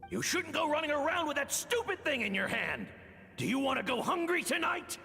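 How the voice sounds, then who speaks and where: A harsh, domineering parent from a video game nightmare, very high-pitched for a man and gravelly. The scolding is sharp and swooping, drenched in long reverb. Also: very animated, brisk, exaggerated voice. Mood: furious. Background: game music.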